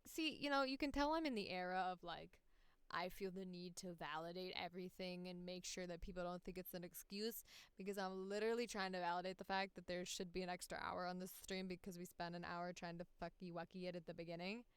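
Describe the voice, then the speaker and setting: A woman's voice: lowish voice, fairly even intonation, a little fast, clean tone, no room sound. A woman voice actor hosting a casual livestream, sweary and self-deprecating, with a slightly tired voice.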